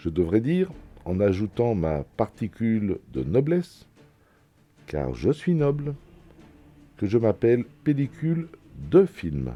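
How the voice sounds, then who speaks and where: Using a dark, mellow tone and very wide pitch swings, a man speaks at a very slow pace with long, frequent pauses. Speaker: amateur narrator of a short film. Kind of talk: scripted narration.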